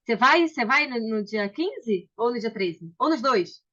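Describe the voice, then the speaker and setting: A woman's voice: a little high, animated, moderate pace, bright, forceful tone. A woman hosting a book club on a video call, chatty and welcoming, with frequent restarts. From Brazil. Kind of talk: casual video call chat. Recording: slightly dull video call audio.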